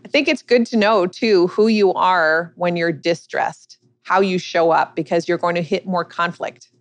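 Gravelly-voiced woman telling a story. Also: on the low side. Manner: earnest, reflective storytelling. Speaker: guest, business coach and author. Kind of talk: podcast interview storytelling.

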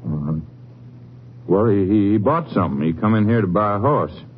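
A man's voice: lowish voice, animated, moderate pace, close to an everyday voice. A man acting a folksy, evasive livestock barn owner with a rural American accent in a 1950s western radio drama. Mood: nervous, evasive. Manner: folksy, hesitant, stammering under questioning. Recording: tinny noisy old radio recording.

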